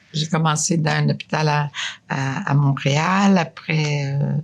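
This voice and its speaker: Speaking at a very slow pace, a woman uses a very deep, low pitch with a somewhat breathy sound. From Quebec, Montérégie south-west. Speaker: retired nutrition technician. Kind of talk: interview. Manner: halting.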